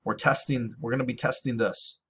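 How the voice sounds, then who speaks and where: A man's voice: mid-range voice, fairly even intonation, a little fast, bright, forceful tone, a little hiss or hum. A man hosting a stock options channel, giving casual, rambling market commentary over a screen share, with folksy exclamations. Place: home in Hawaii.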